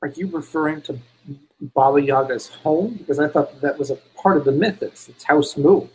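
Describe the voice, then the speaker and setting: A man's voice: on the high side, moderate pace, poor audio. A man playing a tabletop game, chatty and stumbling over his words. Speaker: player. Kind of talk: casual tabletop play.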